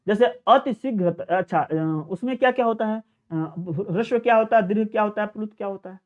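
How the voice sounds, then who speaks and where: A man teaching an exam-prep lecture, chanting verses slowly and often repeating and restarting phrases. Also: high-pitched. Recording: tinny phone-like sound.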